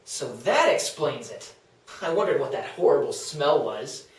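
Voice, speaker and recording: A man's voice: mid-range voice, very animated, measured pace, a little hiss or hum. A man playing a brash, scornful Athenian skeptic in a comedic table read, speaking with theatrical sarcasm. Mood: scornful, sarcastic. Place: small indoor meeting room. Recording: roomy, distant meeting-room pickup.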